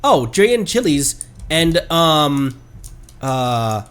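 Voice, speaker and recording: A man livestreaming a game with casual commentary, thinking aloud in a halting way. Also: a little high, big pitch swings, fairly bright tone, clear, resonant tone.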